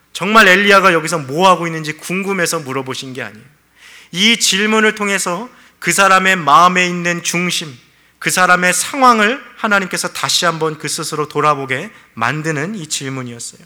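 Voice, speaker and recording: A man's voice: on the high side, sharp tone. A man preaching a sermon in an earnest way, speaking straight to the congregation and acting out quoted prayers. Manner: earnest preaching, addresses listeners directly, acts out quoted prayers. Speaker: pastor.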